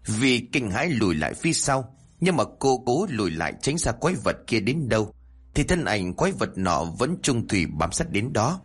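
A man narrating a spooky audio story with a lively, dramatic telling. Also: medium pitch, normal speed, slightly rough.

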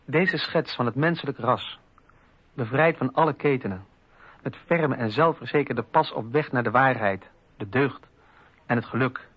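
A raspy, mid-pitched voice: a man acting an idealistic philosopher. He declaims his treatise with deliberation, radio-play fashion, on a somewhat dull recording. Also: normal speed, natural voice. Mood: earnest, hopeful. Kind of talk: literary reading in radio drama.

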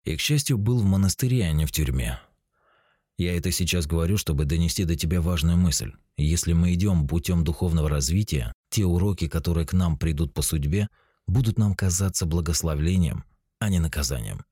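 A man in his forties calmly explaining spiritual ideas, speaking straight to the listener as narrator of a self-help book. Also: sits low, a little fast, breathy edge, no room sound, clean studio sound. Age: 40s. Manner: calm, explanatory, addresses the listener directly.

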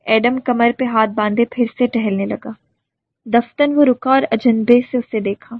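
A woman narrating a novel as an audiobook, reading scenes with even storytelling. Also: a little high, slightly rough, dry recording. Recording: dry tinny phone-like recording.

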